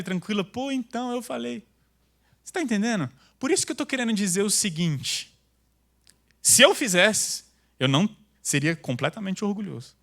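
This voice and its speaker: A male pastor preaching in a church with a high, bright-edged voice. He talks intensely and loudly, dropping casual slang into his sermon.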